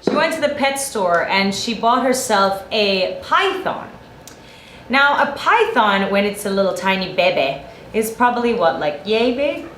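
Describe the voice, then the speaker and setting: A young woman co-hosting a talk show, chatting and telling a story on a studio couch, animated and laughing often. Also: mid-range voice, measured pace. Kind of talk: casual banter, telling a story. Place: TV studio set, seated on a couch. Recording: roomy studio with faint hiss.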